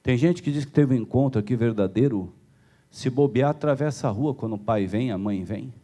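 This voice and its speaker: A man with a Brazilian Portuguese accent preaching a sermon in a church, telling stories with chuckles and voice jumping high when excited. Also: brisk. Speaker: pastor.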